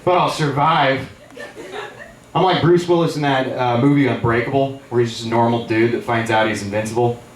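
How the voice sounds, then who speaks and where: A man performing a stand-up comedy set on a theater stage, telling stories with animated delivery and jumping into high squeals for the people he quotes. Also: brisk. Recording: roomy, distant live theater recording with crowd laughter. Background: audience laughter.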